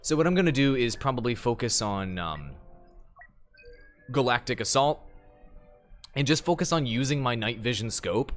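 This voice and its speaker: A man's voice: mid-range voice, lively intonation, moderate pace, long pauses, faint music behind. A man doing casual live gameplay commentary, chatting with viewers in a slangy, joking manner. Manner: slangy, joking, talks to chat. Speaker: live game streamer. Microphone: streaming microphone.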